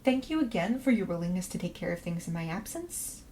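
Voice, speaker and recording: Fairly low and dark, this female voice swings widely in pitch and moves a little fast as an actress plays a polite, quirky professor. She reads a scripted letter of house-sitting instructions in a podcast promo for a fiction show, sounding matter-of-fact and reassuring. The recording carries faint background noise and ambience.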